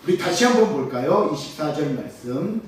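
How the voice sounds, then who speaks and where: High, lively-voiced pastor in an echoey church. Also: male voice, moderate pace, slight background noise. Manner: asks rhetorical questions and cues the congregation to read aloud. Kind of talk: Sunday morning sermon, expository Bible teaching. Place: church sanctuary during a worship service. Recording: very echoey church sound from a distant mic.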